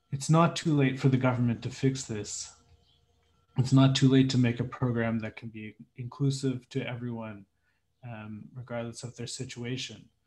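Somewhat breathy, a man with a medium pitch talks at a moderate pace with fairly even intonation and big swings in loudness. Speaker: interpreter. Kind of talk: spoken translation. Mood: serious, earnest. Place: home room. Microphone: video call.

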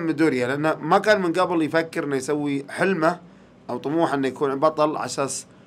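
A man speaks at a fairly quick pace. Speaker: anime reviewer. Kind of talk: commentary. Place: studio. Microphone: studio mic.

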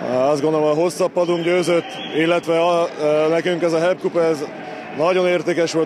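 A man talks in a flat monotone over noticeable background noise. The sound is dry, with no echo. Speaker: basketball coach. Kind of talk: interview. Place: stadium. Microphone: handheld.

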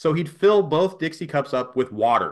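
Over a quiet background, a man with an American accent speaks at a fairly high pitch with lively intonation. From US Pacific Northwest. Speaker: news-parody show co-host. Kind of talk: casual chat. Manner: joking. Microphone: video call.

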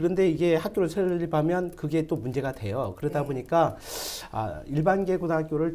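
A man's fairly high voice with vocal fry at a fairly quick pace. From South Korea. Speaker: former provincial council member; talk show guest. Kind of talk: TV panel discussion. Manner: hesitant, filler-heavy. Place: studio. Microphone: lapel.

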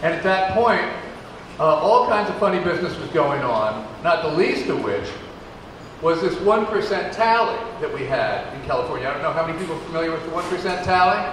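At a moderate pace, the speaker talks with lively intonation over noticeable background noise and audible room echo. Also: man, high pitch for a man. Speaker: election lawsuit activist. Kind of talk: conference panel talk. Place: hall.

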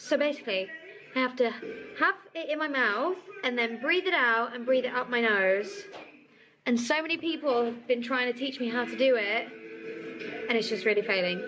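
A woman speaks at a moderate pace in a high voice, leaving long, frequent pauses while clear music plays in the background. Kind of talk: casual vlog chat. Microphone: phone near.

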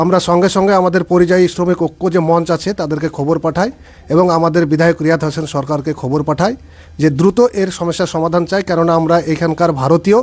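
Here a man speaks at a high pitch with fairly even intonation. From Murshidabad, West Bengal. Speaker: relative of detained worker. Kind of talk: news interview.

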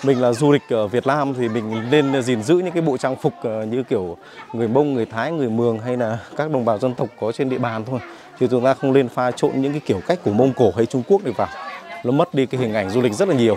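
Over crowd noise in the background, a voice rushes along at a very fast pace with ordinary pitch variation in a dry sound with no echo. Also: man. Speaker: travel vlogger. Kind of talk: casual vlog commentary. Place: market. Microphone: phone near.

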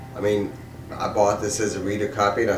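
A man with a fairly low voice talks at a very fast pace over faint background music. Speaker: comic collector. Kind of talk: tutorial. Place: home room. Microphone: camera far.

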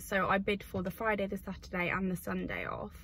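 With vocal fry and a monotone, flat intonation, a woman talks at a fairly quick pace in a dry sound with no echo and light background noise. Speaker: flight attendant vlogger. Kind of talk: casual vlog chat. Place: car. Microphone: phone near.

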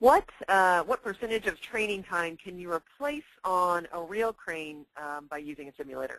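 An ordinary speaking voice from a woman, fairly low in pitch, at a moderate pace with hardly any pauses, lively intonation and big swings in loudness, in a dry, close sound with no echo. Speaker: webinar host and editor. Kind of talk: webinar moderation.

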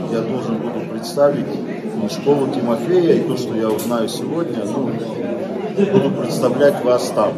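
A man talks at a medium speed over heavy background noise. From North Ossetia, Russia. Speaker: church leader visiting seminar. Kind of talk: interview. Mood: warm, impressed. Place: hall. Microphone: phone near.

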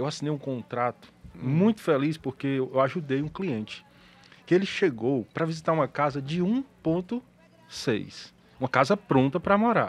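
Lively intonation at a fairly slow pace, with a dry sound and no echo. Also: man, fairly high pitch for a man. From Viçosa do Ceará, Brazil; Brazil. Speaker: real estate broker; podcast guest. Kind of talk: casual interview. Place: studio. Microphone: studio mic.

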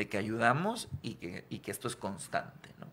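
A man's voice, pitched in the middle range, carries a bright, sharp tone. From Tabasco, Mexico (Centla); Tabasco, Mexico. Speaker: psychologist and nonprofit president. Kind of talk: radio interview. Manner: hesitant, many fillers. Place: studio. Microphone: studio mic.

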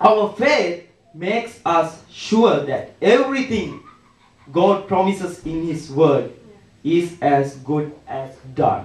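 Audible room echo surrounds a man talking at a very slow pace. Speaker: preacher. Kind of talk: sermon. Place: church.

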